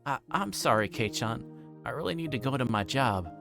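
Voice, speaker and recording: A man's voice: mid-range voice, lively intonation, normal speed, creaky, over music. A man voicing a polite, apologetic teenage girl in a visual novel read-through.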